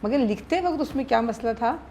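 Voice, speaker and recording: A woman's voice: a little high, animated, fairly quick, dark tone, slight background noise. A woman, a drama writer, explaining her characters in an interview and acting out their lines as she tells it. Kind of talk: interview answers.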